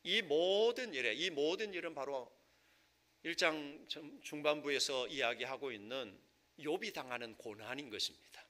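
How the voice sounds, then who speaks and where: A male pastor preaching a Sunday sermon in church, rising to loud impassioned stretches and falling to soft, hushed passages. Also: a little high. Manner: swells to loud impassioned preaching, then drops to soft near-whispers. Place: church sanctuary.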